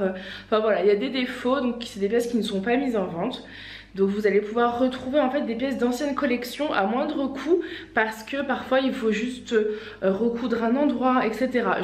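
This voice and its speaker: A woman's voice: fairly high pitch, roomy sound. A woman with a slight cold, chatting casually as she presents outfits from her clothing shop, with frequent fillers and restarts. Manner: chatty, many fillers and restarts, light laughs. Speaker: online clothing shop owner. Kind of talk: casual fashion try-on vlog.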